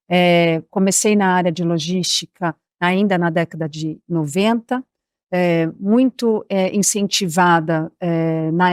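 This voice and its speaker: Here a woman's fairly low voice moves at a fairly slow pace with fairly even intonation. The sound is dry and close, with no echo. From São Paulo city, Brazil. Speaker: operations director. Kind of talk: panel discussion. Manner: hesitant, many fillers.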